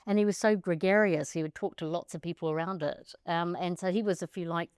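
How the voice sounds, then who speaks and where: A woman with a very low voice co-hosts the conversation, chatty and playful in her teasing. She steers toward questions with a lifting, curious tone, recorded close and dry. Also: fairly even intonation, a little fast, smooth, dry recording. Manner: warm, chatty and teasing, rising pitch when she asks questions. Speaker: co-host, accounting academic. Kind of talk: conversational podcast chat. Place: outdoors by a pool.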